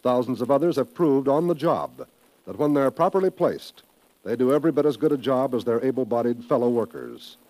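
A man's voice: medium pitch, fairly quick, dark tone, poor audio. An American man working as a 1950s radio announcer, delivering announcements in a formal, emphatic, urgent manner.

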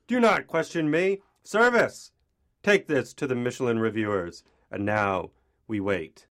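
A man's voice: mid-range voice, animated, a little slow, fairly bright tone. A man playing a swaggering, furious, self-important chef in a melodramatic, pompous audio play parody. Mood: grandiose.

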